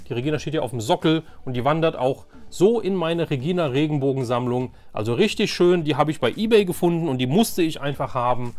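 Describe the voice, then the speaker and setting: A man's voice: a little high, expressive, brisk, hardly any pauses, a little mellow. A man hosting a casual show-and-tell collecting vlog, enthusiastic and rambling, often repeating himself. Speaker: host of a toy collecting channel.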